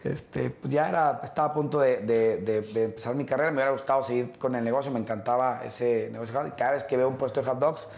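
A middle-aged man, talking as an interview guest. His pitch sits in a middle register, and his stories ramble along with fillers and restarts. The room around him is echoey. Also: quick pace, gravelly, few pauses. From Mexico. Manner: relaxed, rambling storytelling with many fillers and restarts. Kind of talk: casual interview conversation.

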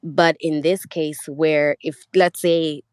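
A young woman from Kenya, a musician guest speaking casually over a remote call, rambling with restarts and soft laughs. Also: low voice, steady tone, takes it slowly, clear, resonant tone, no room sound, studio quality. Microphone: remote call audio.

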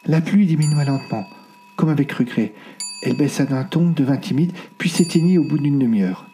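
A man narrating a novel in an expressive, dramatic storytelling manner. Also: on the high side, fairly quick, soft background music. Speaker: audiobook narrator. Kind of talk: scripted narration.

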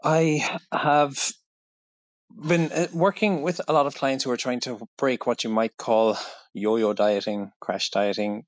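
Irish male fitness coach as podcast guest, low voice, reflective, dry studio sound. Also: no room sound. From Ireland. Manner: thoughtful, frequent restarts and hedging asides. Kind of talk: conversational interview answers.

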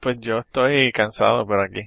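A man's voice: lowish voice, steady tone, vocal fry, a bit bright. A man hosting a podcast in casual, joking chat, laughing often. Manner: joking, laughs often, talks fast in bursts. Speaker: podcast host.

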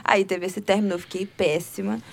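A woman, co-hosting a podcast and telling a personal story in a chatty, animated way. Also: mid-range voice, brisk, gravelly, crowd noise. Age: 20s. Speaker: podcast co-host. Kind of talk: casual chat, storytelling.

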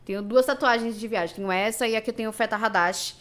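Brazilian woman, fairly high voice, candid emotional storyteller for a casual podcast chat. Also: fast talker. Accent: Brazilian Portuguese. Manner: emotional, animated storytelling with many fillers. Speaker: podcast guest.

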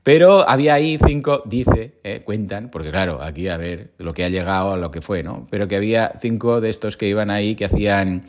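A man with a Spain Spanish accent hosting a podcast, explaining ideas in a casual, joking monologue full of slang and quick check-ins with his listeners. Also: fairly low pitch, background noise. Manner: slangy, jokey, constant "¿vale?" check-ins. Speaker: podcast host.

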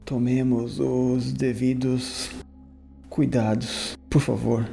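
Man playing a slow, gravelly, grave priest. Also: mid-range voice, flat delivery, mellow, soft background music. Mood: cautious. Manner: measured, halting, solemn. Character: grave, cautious priest learned in demonology.

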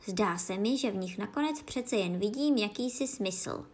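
A woman doing a fussy storybook king, pompous, muttering, soft lower tone, self-satisfied. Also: lively intonation, lightly acted. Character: pompous fussy old king of a card court.

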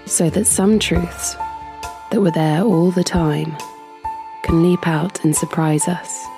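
A woman's voice: fairly low pitch, fairly even intonation, slow pace, vocal fry, over music. An actress playing a hurt, bitter woman in an audio drama, emotional and pointed in her delivery. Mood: reflective. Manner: emotional, accusing, sarcastic. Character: hurt, bitter woman confronting her cousin over betrayal.

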